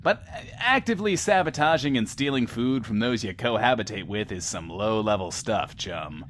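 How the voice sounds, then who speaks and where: An actor playing a wry, showy radio advice host in a post-apocalyptic audio drama, with a mock-grand manner. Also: male voice, lowish voice, animated, normal speed, a bit bright, a little hiss or hum. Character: sardonic male advice-show radio host in a wasteland.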